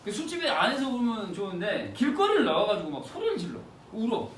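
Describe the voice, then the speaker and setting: A male teacher giving an exam-prep literature lecture in an animated, slangy way, quizzing his students with rhetorical questions. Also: high-pitched, fast. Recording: roomy, distant with faint hiss.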